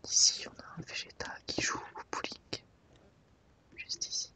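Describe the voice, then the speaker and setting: An ASMR host, whispering softly and unhurriedly while guiding listeners through a book. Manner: soft, unhurried guided browsing through a book.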